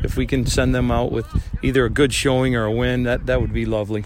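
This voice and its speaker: A relaxed man with an American accent at a fairly quick pace, over noticeable background noise. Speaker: high school football coach. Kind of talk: pregame interview. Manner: relaxed, laughs, repeats words.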